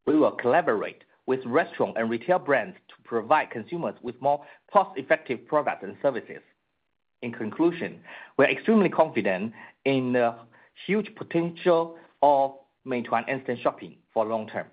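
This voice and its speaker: A phone-like, narrowband line carries a slightly husky male voice. He is a company executive delivering prepared earnings remarks, formal and measured. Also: mid-range voice, lively intonation. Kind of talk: prepared corporate presentation on earnings call. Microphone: conference call line.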